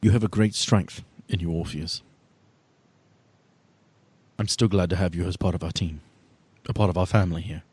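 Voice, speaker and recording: A man voicing a caring, firm female team leader with a measured, formal and earnest way of speaking in a tabletop game. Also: low voice, fairly even intonation, darkish tone, breathy edge, dry recording. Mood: warm, solemn.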